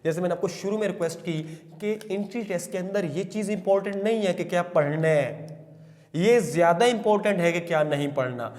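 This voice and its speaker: A middle-aged man with a Pakistani Urdu accent lectures on chemistry in a fairly high voice. He coaxes his students with questions and dictates English definitions slowly, word by word. The recording has a long hall-like reverb. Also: a little mellow. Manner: coaxing, calls students beta, asks and answers questions. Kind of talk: recorded entry-test lecture.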